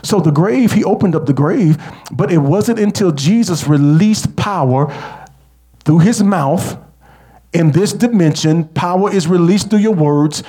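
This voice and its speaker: A man preaching a sermon, leading the congregation in call-and-response and rising to shouts. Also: high voice, measured pace.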